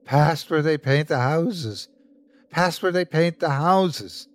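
A man's voice: a little high, takes it slowly, dry recording, voice pushed up. A man voicing a sickly, terrified, half-mad bearded man who pleads and chants in a storybook narration. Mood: frantic chanting. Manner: pleading, crying out, chanting repetitively.

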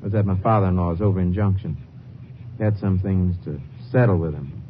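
A man's voice: deep voice, a little fast, natural voice. An American man playing a defensive, touchy young former deputy in a 1950s radio western. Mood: grudging. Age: young adult. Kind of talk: 1950s old-time radio western acting. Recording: dull, hissy 1950s radio recording.

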